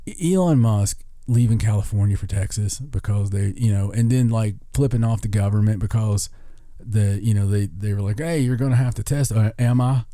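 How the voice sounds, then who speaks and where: A man's voice: fairly low pitch, moderate pace, dark tone, no room sound, clean studio sound. A man co-hosting a podcast in casual banter, irreverent and rambling, with mild swearing. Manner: irreverent, rambling, mildly profane. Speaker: podcast co-host. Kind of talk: casual paranormal talk show banter.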